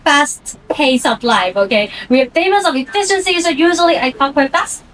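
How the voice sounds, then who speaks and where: A woman with a Hong Kong accent guiding a walking tour outdoors on a city street. She explains things briskly and keeps asking the group questions. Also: sits high, lively intonation, a bit bright. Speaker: tour guide.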